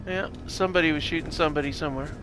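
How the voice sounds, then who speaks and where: A fairly high-pitched, congested man with a nasal sound rattles along rapidly in a steady tone. He's a let's play gamer, casually thinking aloud and muttering during gameplay commentary. Background noise is audible.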